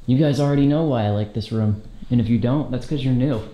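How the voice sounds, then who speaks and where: A young man vlogging casually as he explores an abandoned house, talking excitedly to viewers in slangy speech on a handheld camera. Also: mid-range voice, fast. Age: young adult. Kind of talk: casual walkthrough narration. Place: empty abandoned house, large indoor rooms. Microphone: handheld action camera. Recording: echoey empty rooms.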